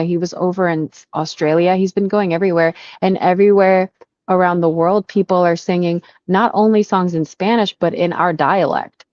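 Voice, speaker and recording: Here is a woman with a plain, everyday voice and fairly low pitch. She keeps a moderate pace and fairly even intonation. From Connecticut, US, Puerto Rican family. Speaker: news show co-host. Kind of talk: casual chat.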